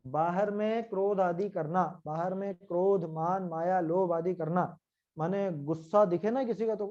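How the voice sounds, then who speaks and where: A man's voice: sits high, a little mellow, highs cut off. A man giving a Hindi scripture lecture, conversational, full of rhetorical questions and acted-out quotes. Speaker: Jain scripture teacher.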